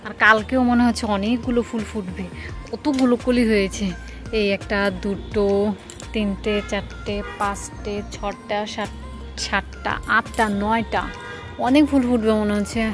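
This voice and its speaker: A woman's voice: mid-range voice, steady tone, a little slow. Young female vlogger, Bangladeshi Bengali accent, casual running commentary on chores, music bed under her. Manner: chatty, narrates her daily chores as she goes. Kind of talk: casual vlog narration.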